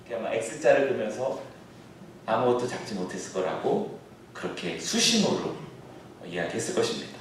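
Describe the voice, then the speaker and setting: A male pastor preaching a sermon, now and then bursting into shouted calls as he acts out a scene. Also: medium pitch, big pitch swings, moderate pace, long pauses, a little hiss or hum. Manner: acts out shouted calls across the water, then drops to a soft aside. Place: church sanctuary. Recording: echoey church hall, heard from a distance.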